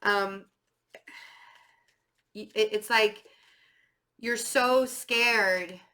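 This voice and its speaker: A woman's voice: mid-range voice, fairly even intonation, extremely slow, bright, forceful tone. Stuffy-nosed woman giving a chatty tarot reading. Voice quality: nasal. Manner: chatty, filler-heavy, with many "um" and "like"; self-described nervous and fidgety. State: stuffy nose from a cold. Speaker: tarot reader. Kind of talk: casual spoken tarot reading to camera.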